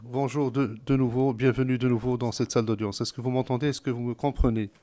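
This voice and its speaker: A man's voice: mid-range voice, steady tone, quick pace, dark tone. A man working as a simultaneous court interpreter, calling out each speaker by role before rendering their words.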